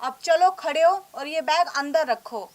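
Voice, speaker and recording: A woman's voice: sits high, measured pace. A woman playing a bossy, domineering young wife in a comedy skit, scolding and ordering her husband about. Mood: coaxing. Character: bossy young wife, later a sharp mother-in-law.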